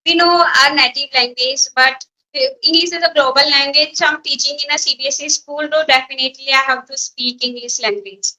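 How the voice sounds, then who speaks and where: A woman teacher from a small village with an Indian accent, speaking English as a learner, her first language Hindi, pausing to search for words. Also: sits high, steady tone, sharp tone, low-quality recording. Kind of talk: English practice conversation.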